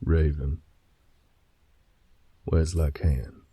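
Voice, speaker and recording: A man voicing a stern, protective male werewolf pack leader in a fan audio drama, with a husky, gravelly voice and a firm, measured delivery. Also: extremely low pitch, steady tone, mellow, no echo, heavily acted.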